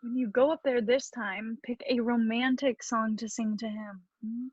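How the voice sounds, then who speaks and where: Actress as a high-voiced bossy, encouraging best friend. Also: female voice, fairly even intonation, moderate pace, slightly rough, dry recording, dull audio. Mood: insistent, encouraging. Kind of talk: virtual staged comedy sketch reading.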